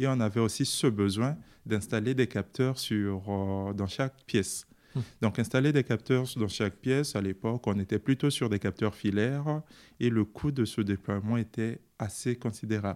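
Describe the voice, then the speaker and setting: A man speaks in a plain, everyday voice at a medium pitch, fairly slowly and with ordinary pitch variation. The sound is dry and close with no echo, on a very clean recording with a silent background. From Republic of the Congo (Brazzaville). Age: 30s. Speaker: tech entrepreneur and engineer. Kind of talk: interview.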